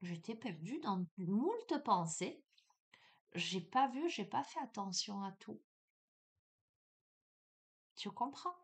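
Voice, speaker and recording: Middle-aged woman, spiritual guidance host, middle pitch, casual and animated storyteller, filler-heavy, talks straight to the viewer. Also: slow, pauses often. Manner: chatty, animated, many fillers, addresses listener as tu.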